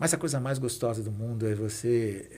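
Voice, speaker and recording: In a room with audible echo, a man of medium pitch speaks at a moderate pace, somewhat breathy, with ordinary pitch variation. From São Paulo, Brazil. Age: 50s. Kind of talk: podcast interview.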